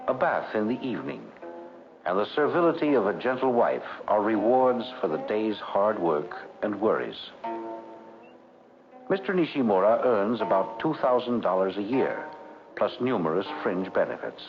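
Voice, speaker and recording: Low-voiced man narrating a vintage educational film. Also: big pitch swings, moderate pace. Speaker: documentary narrator. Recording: dull vintage 1960s film soundtrack. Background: background music.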